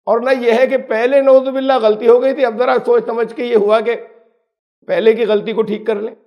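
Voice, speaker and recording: Male Quran teacher, high gravelly voice, emphatic and explanatory. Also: level tone, darkish tone. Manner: explanatory, emphatic, uses everyday examples. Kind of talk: religious lesson.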